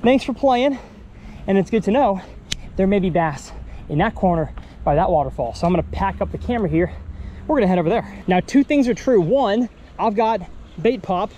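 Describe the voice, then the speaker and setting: A man's voice: high-pitched, animated, normal speed, dark tone, dull audio. A man, chatting casually through a fishing vlog by an outdoor pond. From Texas. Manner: upbeat, chatty, thinking aloud while fishing. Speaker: fishing vlogger. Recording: outdoor recording with faint ambient noise.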